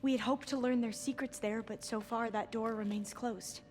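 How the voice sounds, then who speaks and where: A woman's voice: on the high side, fairly even intonation, moderate pace, slight background noise, natural voice. A woman playing an earnest, reverent young tribal scholar in a video game, with formal and hesitant phrasing. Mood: earnest, guarded. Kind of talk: dramatic video game acting. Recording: loud game music behind.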